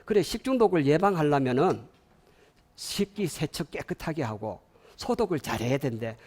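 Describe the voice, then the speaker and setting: A man's voice: fairly high pitch, expressive, normal speed, darkish tone, breathy edge. A man voicing a husband giving well-meant advice. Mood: earnest nagging. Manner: earnest, lecturing tone. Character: well-meaning husband nagging his wife.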